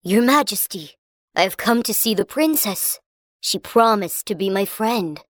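A woman's voice: mid-range voice, animated, measured pace, no echo, studio quality, lightly acted. A woman voicing a polite, demanding frog. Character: polite greedy male frog.

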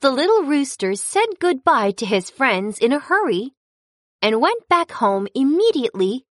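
Brief: woman storyteller for kids, animated and unhurried. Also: sits high, dry recording, studio quality. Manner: expressive, storytelling. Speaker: narrator. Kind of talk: children's story narration.

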